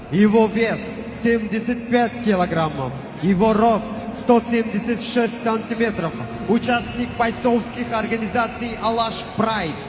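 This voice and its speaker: A man working as a ring announcer at a fight, formally projecting drawn-out introductions over a PA in a large venue. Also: sits high. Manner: formal, projecting, stretches out names and phrases. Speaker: boxing-style ring announcer. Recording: echoey hall reverb, loud background noise.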